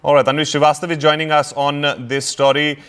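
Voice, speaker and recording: A man with an Indian accent anchoring breaking news and questioning a reporter, with a halting delivery. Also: a little high, little pitch movement, fairly bright tone, clear, resonant tone.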